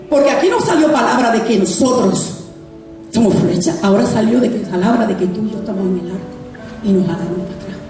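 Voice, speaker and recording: A woman pastor giving a testimony sermon, acting out her conversations with God. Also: medium pitch. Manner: animated, acts out dialogue with God. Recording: echoey hall, distant mic, music.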